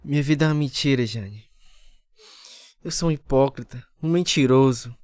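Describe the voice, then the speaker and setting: A man's voice: medium pitch, moderate pace, a little mellow, dry recording, natural voice. An actor playing a troubled, repentant man telling his own story as a dramatised radio testimony. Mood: anguished confession. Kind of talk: first-person dramatised testimony narration. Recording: music behind the voice.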